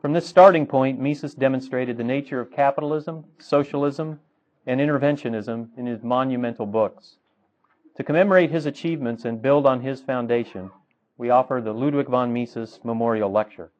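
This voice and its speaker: A man introduces a lecturer in a formal manner, reading prepared remarks at a mid-range pitch. The recording is dull and lo-fi, with muffled highs. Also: normal speed, darkish tone. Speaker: conference host introducing the speaker. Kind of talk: scripted introduction read aloud.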